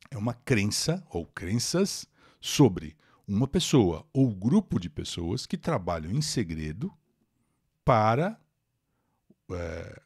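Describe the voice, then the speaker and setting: A man's voice: fairly low pitch, darkish tone, husky, dry recording, clean studio sound. A Brazilian man with a Brazilian accent teaching English in a live online lesson, reading text aloud, explaining it and answering viewers as he goes. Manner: reads English text aloud, then translates.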